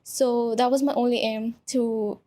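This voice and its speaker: A woman's voice: a little high, flat delivery, measured pace, warm tone. A young woman from Pakistan, a guest in an interview, telling her story in a chatty way with many fillers. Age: young adult. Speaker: guest, influencer. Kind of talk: casual interview conversation.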